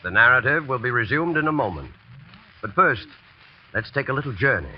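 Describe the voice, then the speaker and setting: A man hosting and narrating a 1940s radio suspense show in a measured, ominous way. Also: medium pitch, expressive. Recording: muffled 1940s radio broadcast with music.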